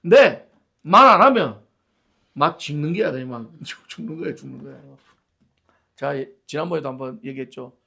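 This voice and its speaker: A male pastor leads a Bible study. He tells stories expressively, swinging between loud exclamations and near-whispers. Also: medium pitch, a little fast, vocal fry. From Gyeongsang region, Korea. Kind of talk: animated Bible-study teaching and prayer. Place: church library.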